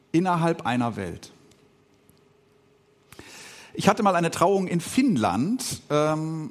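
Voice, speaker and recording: This is a podcast sermon from a middle-aged pastor who grew up with Swiss German. He reflects as he speaks, stopping often and using gentle hesitation sounds, in a voice somewhat high for a man with plenty of rise and fall.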